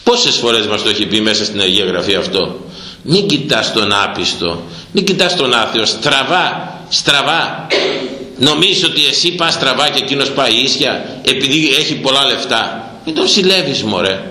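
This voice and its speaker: Man, sermon, fiery preacher, repetitive, sudden loud outbursts, lively swinging pitch, echoey room. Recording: roomy echo.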